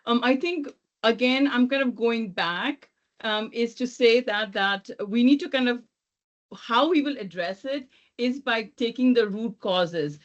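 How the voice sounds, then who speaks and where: Woman from Thailand, webinar panelist, halting, circling unscripted remarks, dull video-call sound. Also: a little high. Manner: halting, circling back, rephrasing often.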